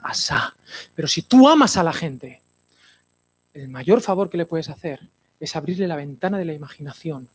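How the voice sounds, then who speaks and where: A man, a pastor preaching a lively, playful sermon to a congregation, with sudden drops to hushed intensity. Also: fairly high pitch, husky. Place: church hall, in front of a congregation.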